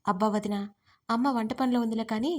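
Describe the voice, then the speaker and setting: A woman's voice: fairly high pitch, steady tone, a little fast, a little mellow, lightly acted. Woman reading a cheeky young sister, playful teasing in an audio story.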